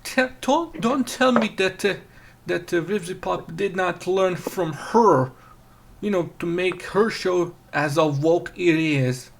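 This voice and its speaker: A man from Serbia with a Serbian accent, hosting a casual chat, crude and excitable when he rants. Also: high-pitched, slow, vocal fry, a little hiss or hum. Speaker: channel host.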